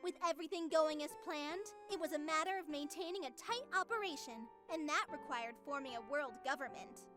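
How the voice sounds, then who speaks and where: Game villain: artificial female overlord, extremely high voice, self-justifying, devoted to her mission, over clear background music. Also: a little fast, hardly any pauses, a bit bright. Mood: breezy, smug. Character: cheerful female artificial being, tyrannical, self-righteous, obsessed with her mission. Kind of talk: scripted visual novel narration.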